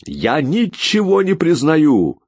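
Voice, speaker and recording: A man reading an audiobook, voicing the first-person hero, a desperate young father who shouts in raw, strained anger. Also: a little high, huge pitch swings, slow pace, husky, no room sound, voice pushed up, exaggerated voice. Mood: furious.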